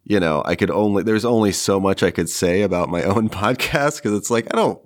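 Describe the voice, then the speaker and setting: A man co-hosting a podcast in casual chat, with a raspy, wheezy smoker's rasp from a night of heavy smoking and a rambling, halting way of explaining. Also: lowish voice. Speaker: podcast co-host.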